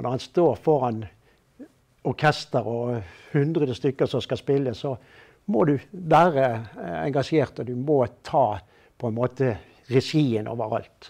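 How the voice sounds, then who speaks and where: Against a quiet background, a man with a dark, mellow tone speaks with long, frequent pauses. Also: medium pitch for a man, ordinary pitch variation, fairly slow pace. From Bergen; Norway. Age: 70s. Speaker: portrait photographer. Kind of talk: talk to a live audience. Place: shop. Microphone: lapel.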